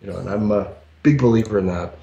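A man's voice: lowish voice, fast talker, vocal fry, warm tone. Man, forties, emphatic casual chat, headset mic, dull echoey call audio. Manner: emphatic, many "you know" fillers. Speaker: podcast co-host. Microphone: headset on a video call.

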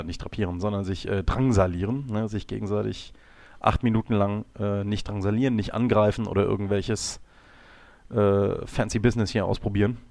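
Slightly hoarse man coaching over replay. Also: on the low side, no room sound. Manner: calm, explanatory, with frequent fillers and self-corrections. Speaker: game coach. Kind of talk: instructional commentary over a game replay.

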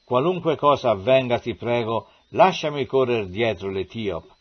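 A man's voice: medium pitch, lively intonation, moderate pace, husky. An eager young messenger, read by a man, pleading and urgent. His voice rises slightly above the reader's own. The recording sounds dull and lo-fi.

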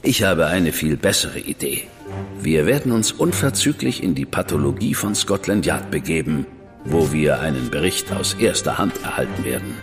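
An actor playing a reserved, measured investigator in a radio drama. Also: male voice, rumbling low, expressive. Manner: measured, dry, withholding. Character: cool, reserved male investigator, brother of a famous detective. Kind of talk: German radio drama acting. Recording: long reverb with music behind.

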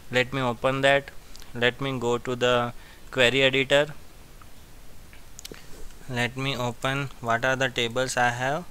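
A man giving a step-by-step software tutorial as an instructor, repeating his phrases as he goes. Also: mid-range voice, level tone, a little slow, long pauses, smooth. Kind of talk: screen-share software tutorial.

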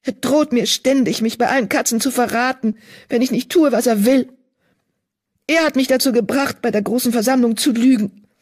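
Woman doing a high, pleading young she-cat, guilt-ridden healer, husky voice, storybook. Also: normal speed, a little mellow, close to an everyday voice. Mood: distressed, pleading. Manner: pleading, distressed, voice raised high. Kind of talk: audiobook character voice.

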